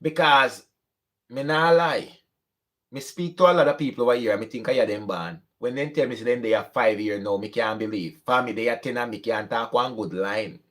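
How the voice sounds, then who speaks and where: Talking briskly in a medium-pitched, slightly bright voice, a young channel host from Jamaica delivers a relaxed vlog monologue. His Jamaican accent is strong, and he slides back and forth between standard English and patois.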